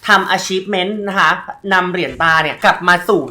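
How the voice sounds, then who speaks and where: Woman, gaming host, bright tone, chatty, faint background music. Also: fairly low pitch, moderate pace. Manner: chatty, polite particles, sudden shrieks. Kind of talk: let's play commentary.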